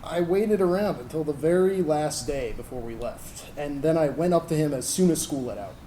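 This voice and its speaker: Earnest young gay man, acted by a man, lightish pitch, soft-toned, tender stage storytelling. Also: lively intonation, moderate pace, slight background noise, lightly acted, rough recording. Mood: tender, excited. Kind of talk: dramatic monologue in a staged reading.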